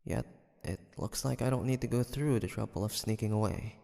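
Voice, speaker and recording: A man playing a brooding, guarded demon hunter from the 1850s in an intimate audio roleplay, speaking in a hesitant, halting way. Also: fairly low pitch, vocal fry, dark tone, long reverb tail. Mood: conflicted, musing. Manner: hesitant, halting, sighing soliloquy. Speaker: voice actor.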